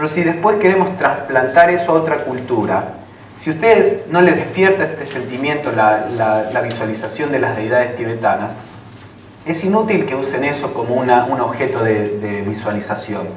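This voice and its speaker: A man of medium pitch speaks at a moderate pace with very wide pitch swings, amid noticeable background noise and audible room echo. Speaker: lecturer on theosophy and meditation. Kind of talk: lecture. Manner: halting, many repetitions.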